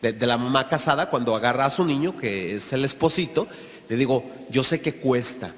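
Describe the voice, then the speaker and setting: A man's voice: medium pitch, animated, brisk, fairly bright tone. A man, a Catholic lay evangelist giving an emphatic preaching talk straight to his audience. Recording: long hall reverb.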